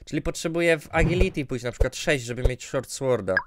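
A young man doing excitable let's play commentary, swinging between mumbled asides and yelling at the game. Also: medium pitch, brisk, background noise. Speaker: gaming YouTuber.

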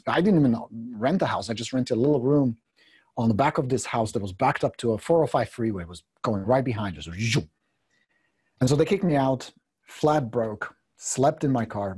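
A man in his fifties with a Czech accent tells his story with a slightly husky, breathy edge. He talks bluntly and jokes a lot, at an everyday male pitch, into a desk microphone in a small studio room. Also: a little mellow. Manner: blunt, profane, joking, gestures a lot. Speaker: guest real estate coach. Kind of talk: candid storytelling in a video interview. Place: indoor studio room with brick wall. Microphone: desk condenser microphone.

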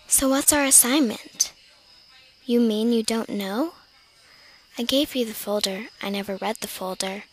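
A woman's voice: on the high side, unhurried, long pauses. A woman playing young assassin sisters in an amateur audition reading, on a noisy home recording. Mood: conversational, scolding.

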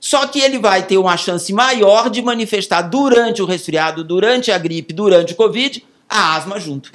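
A man with a Brazilian Portuguese accent, a pulmonologist answering interview questions, explaining slowly with vivid everyday examples. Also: high-pitched, fairly bright tone.

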